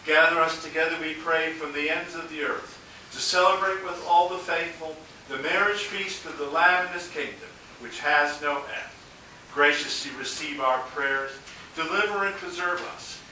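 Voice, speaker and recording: A man serving as pastor, reciting a solemn liturgical prayer at a measured pace in a large church with a cathedral echo. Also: fairly high pitch, pushed and bright. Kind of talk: liturgical prayer and words of institution. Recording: cathedral echo, distant mic, faint hiss.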